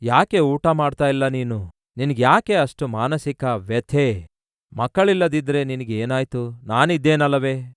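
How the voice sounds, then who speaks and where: Soft-spoken caring husband asking his wife why she's sad, a preacher doing the voice, smooth clear voice, dry sound. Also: medium pitch, unhurried, no echo, close to an everyday voice. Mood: tender consoling. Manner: tender, consoling questions. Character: gentle comforting biblical husband, adult man. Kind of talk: sermon storytelling.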